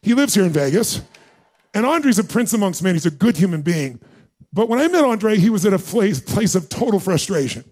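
A man's voice: high voice, darkish tone. A middle-aged man speaking live to an audience, telling a punchy story, acting out quoted dialogue and asking the crowd questions. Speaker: motivational speaker.

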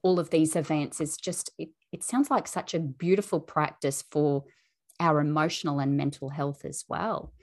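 Low-voiced woman hosting a calm interview. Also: moderate pace. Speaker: podcast host; mother. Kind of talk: reflective interview chat.

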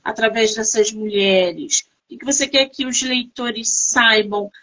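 A Brazilian woman interviewer with a bright, forceful voice pitched a little high. She speaks casually but with emphasis, in short phrases at an unhurried pace, addressing the guest directly. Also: fairly even intonation. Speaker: interviewer, host.

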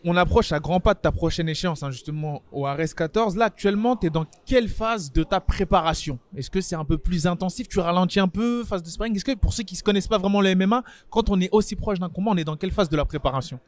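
Man, high voice, fast talker, interviewer, long rambling questions.

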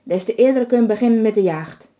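A woman's voice: fairly high pitch, fast talker, mellow, lightly acted. A woman doing a plain-spoken village baker. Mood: matter-of-fact. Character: village baker, practical and helpful man.

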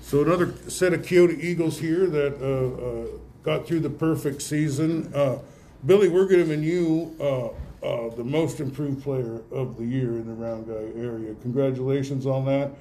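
Folksy, halting male radio host, some background noise. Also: medium pitch, warm tone. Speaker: radio host interviewing high school athletes. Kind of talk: casual awards interview. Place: indoor room with guests present.

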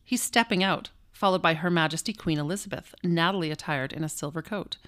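A woman voicing an old-timey radio announcer in a brisk, breathless 1930s radio acting style. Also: lowish voice, a bit bright, natural voice. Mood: excited.

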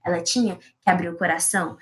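A woman's voice: on the low side, steady tone, fast talker. A woman improvising a children's story, playful and rambling with asides.

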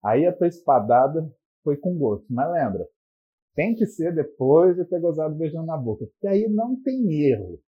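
A man's voice: a little high, big pitch swings, moderate pace, slightly rough, narrow, tinny audio. A man with a Brazilian Portuguese accent giving blunt, profane relationship advice in a crude comic monologue.

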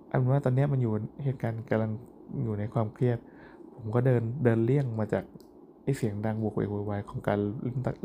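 A man's voice: medium pitch, creaky, dark tone, slight background noise. A man casually recounting a vivid dream he just had, hesitant and often repeating words as he goes. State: groggy, just woken up.

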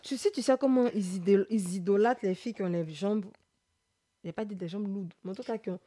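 A woman from Côte d'Ivoire, hosting a podcast in casual, animated conversation. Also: mid-range voice, fast. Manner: animated, laughs while telling stories. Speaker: podcast host. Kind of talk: casual chat.

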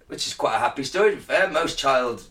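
A British man co-hosting a podcast, joking loudly and swearing in casual chat. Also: medium pitch, lively intonation, recorded from a distance. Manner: loud, sweary, jokey, quick to laugh. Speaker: podcast co-host.

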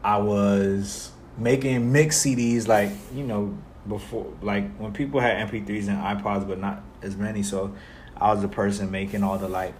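A young man from South Florida, a guest music artist talking about his life in a relaxed interview, with many fillers. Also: on the low side, normal speed, a little hiss or hum. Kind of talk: casual interview conversation.

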